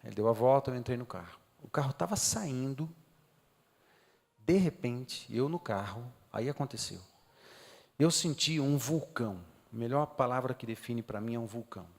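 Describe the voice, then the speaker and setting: A Brazilian man preaching a sermon, telling a story with feeling and swinging from quiet low talk to loud high cries. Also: lively intonation, normal speed, vocal fry, in a large hall. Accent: Brazilian Portuguese. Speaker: pastor. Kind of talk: sermon testimony. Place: church hall.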